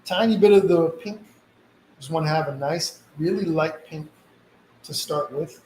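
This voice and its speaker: A man's voice: a little high, unhurried, a little mellow. A man with slight sniffles leads a casual live painting tutorial in a reassuring, easygoing way. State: slight sniffles from a mild cold. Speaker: painting instructor hosting a live session. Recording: roomy echo, some background noise.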